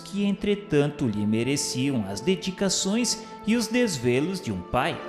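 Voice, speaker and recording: A man with a Brazilian Portuguese accent reads a religious radio drama narration in a formal, solemn, measured way. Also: mid-range voice. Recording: roomy reverberant sound with music underneath. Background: music.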